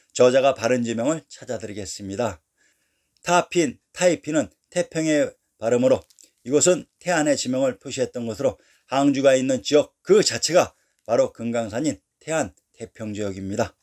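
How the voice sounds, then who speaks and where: Male narrator, mid pitch, measured and deliberate, for a scripted history lecture. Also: darkish tone. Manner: measured, slows to spell out lists of place names. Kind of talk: scripted reading of historical commentary.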